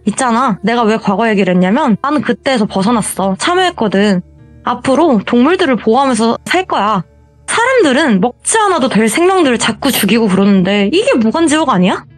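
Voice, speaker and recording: A woman's voice: on the high side, sing-song, fairly quick, dry recording, faint music behind. A woman voicing a fanatical, self-righteous young woman who mocks and preaches in a told horror story. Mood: preachy. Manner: mocking, preachy.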